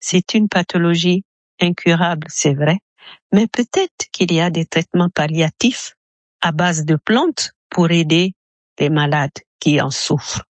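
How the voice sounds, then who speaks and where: A woman in her seventies from Gabon, a radio caller giving a measured testimony, her voice disguised with a voice changer. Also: on the low side, dry recording. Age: 70s. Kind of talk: recorded listener testimony.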